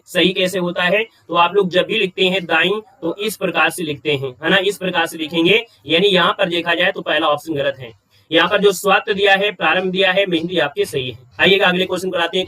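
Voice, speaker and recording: Brisk, high-voiced man teaching live. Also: pushed and bright. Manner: brisk, keeps checking in with "right?"; greets viewers in chat mid-lesson. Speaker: online Hindi grammar teacher. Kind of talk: live-streamed quiz class.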